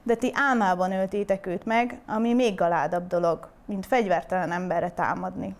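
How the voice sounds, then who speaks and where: A woman's voice: mid-range voice, steady tone, natural voice. Woman reading as an outraged fairy-tale princess. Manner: accusing, outraged.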